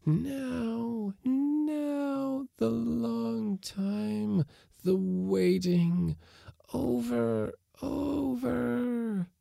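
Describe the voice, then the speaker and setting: A man voicing an eerie spirit that gloats in a drawn-out, repetitive singsong. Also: very high-pitched, creaky, mellow, no room sound, studio quality, voice pushed up, heavily acted. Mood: gloating, yearning. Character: eerie high-voiced spirit, gloating after a long wait.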